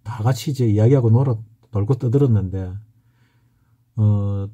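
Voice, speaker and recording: A middle-aged man from the Gyeongsang region teaches in a casual, anecdotal way, with a strong regional accent. He often pauses and restarts as he wanders through stories. His voice is dark and mellow, with a husky edge. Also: lowish voice, highs cut off. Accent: Gyeongsang Korean. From Gyeongsang region, South Korea. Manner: rambling, anecdotal, frequent hesitations. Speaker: saju fortune-telling instructor. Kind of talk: casual lecture.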